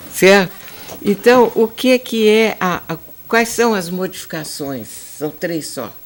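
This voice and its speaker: This woman's intonation is lively. She talks very slowly. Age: 70s. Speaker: elderly rights advocate. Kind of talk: TV panel discussion. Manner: halting, repeats words.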